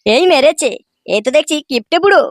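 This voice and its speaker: A woman's voice: sits high, animated, fairly quick, no room sound. A woman voicing an aggrieved, foul-mouthed male rickshaw driver in a comedy cartoon, grumbling and cheeky.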